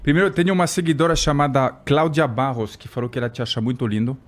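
A man's voice: mid-range voice, fairly even intonation, fast talker. A man hosting a casual interview with joking, teasing banter. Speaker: interviewer, stand-up comedian.

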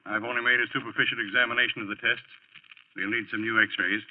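Man acting as measured doctor, formal, careful, grave, medium pitch, 1940s radio drama, muffled broadcast. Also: steady tone, close to an everyday voice. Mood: grave, reluctant. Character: grave, measured, discreet male clinic doctor.

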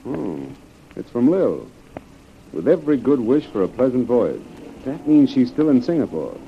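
An actor playing a steady, commanding jungle adventurer in an old radio serial. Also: male voice, medium pitch, gravelly. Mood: confident, curious. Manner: brisk, authoritative. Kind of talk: 1930s radio serial acting. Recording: muffled, noisy old radio recording.

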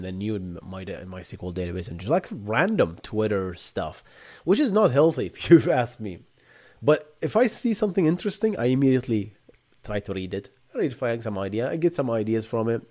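Hosting a live Q&A, a man from Bahrain speaks in a low, slightly mellow voice with an Arabic accent. He answers chat questions casually, thinking aloud with restarts and the occasional rhetorical "right?"

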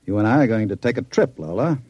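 A scheming gangster boss, low-voiced and sardonic, with a lively, swinging delivery. Dry and close to the mic. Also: male voice, quick pace, no echo, dull audio. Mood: smooth. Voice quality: smooth, menacing and sardonic. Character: cold, scheming male gang boss. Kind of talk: 1940s radio acting.

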